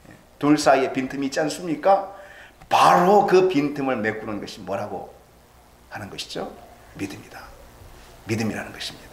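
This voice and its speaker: Korean pastor preaching in an echoey church. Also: male voice, medium pitch, fairly quick, gravelly, long pauses. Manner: dramatic preaching, voicing doubters' quoted lines. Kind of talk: sermon. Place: church sanctuary.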